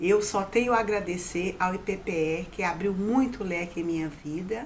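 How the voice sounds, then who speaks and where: A woman's medium-pitched voice with ordinary pitch variation at a moderate pace, with audible room echo. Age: 60s. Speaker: small business owner, course participant. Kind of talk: testimony.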